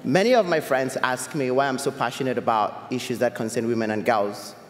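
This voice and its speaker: A young man from Cameroon giving an earnest, measured personal talk as a youth advocate, with small restarts. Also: medium pitch, slight background noise. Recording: echoey hall with long reverb.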